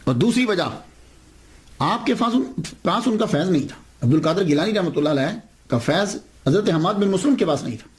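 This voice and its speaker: Animated man telling a devotional story. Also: high-pitched. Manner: animated storyteller, repeats key phrases, asks and answers his own questions. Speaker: religious lecturer.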